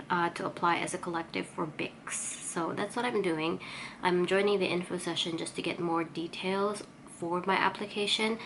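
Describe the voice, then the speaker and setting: A woman's voice: on the low side, a bit bright, a little hiss or hum. A woman vlogger with a congested, sniffly voice, giving a casual, rambling, self-effacing update on her day. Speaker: vlogger and artist. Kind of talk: casual chatty vlog update.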